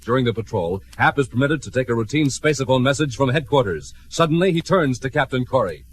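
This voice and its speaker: A man narrates a classic radio adventure serial as announcer, using a grandiose, theatrical, dramatic style. His voice is medium-pitched, animated, and fairly quick. The old radio broadcast has faint music and a little hiss or hum.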